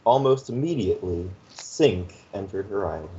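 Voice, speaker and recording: Male narrator, lowish voice with an animated lilt, muffled and faintly hissy. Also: normal speed. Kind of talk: reading fanfiction aloud.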